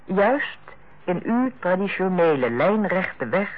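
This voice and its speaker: An actress in a Dutch radio play as a female hospital director, authoritative yet kindly, speaking in a measured, formal and persuasive way. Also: fairly low pitch, sing-song, full character voice. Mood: tactful, measured. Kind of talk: Dutch radio drama acting. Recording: muffled, band-limited old radio recording.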